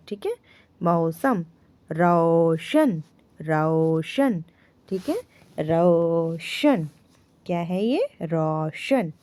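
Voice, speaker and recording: A woman teaching beginners to read Hindi, sounding out each syllable slowly and checking with the learners as she goes. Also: medium pitch, mellow, no room sound. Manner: drawn-out syllable-by-syllable spelling, frequent "ठीक है" checks; teasing corrections of wrong pronunciations. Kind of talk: slow, patient beginner lesson, sounding out letters.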